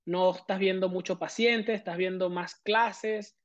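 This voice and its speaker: This guest prosthodontist, a man from Venezuela in his thirties, talks about his career at length in a casual interview, using lots of fillers. His high voice keeps a steady tone and a slightly slow pace, with a Venezuelan accent, and the recording is lo-fi with no room sound.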